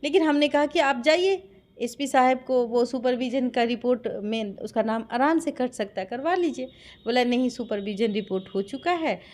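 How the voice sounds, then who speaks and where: A woman's voice: on the high side, moderate pace, a little mellow. A woman with a Bihari accent giving impassioned interview testimony, insistent and full of rhetorical questions. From Bihar, India. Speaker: interviewee giving her account of a dispute.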